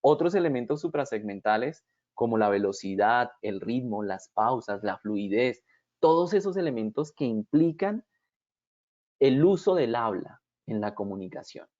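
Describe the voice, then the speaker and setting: Speaking at a moderate pace in a mid-range, darkish voice with lively intonation, this communication trainer gives an explanatory lecture to his audience. He often checks in using rhetorical questions like "¿sí?" and "¿cierto?", captured on a dull, dry lo-fi recording.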